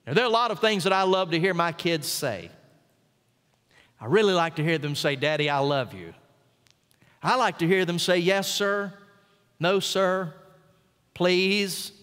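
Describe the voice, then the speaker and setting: A middle-aged man, a senior pastor, preaching a sermon with folksy stories and emphatic pauses on key words. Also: sits high, fairly bright tone, big-room sound. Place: church sanctuary.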